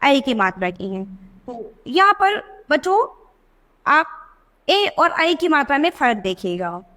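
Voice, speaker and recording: High-voiced woman teaching children. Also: big pitch swings, bright, forceful tone. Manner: asks children questions and answers them herself; stretches out words slowly to show the sounds. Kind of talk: children's lesson.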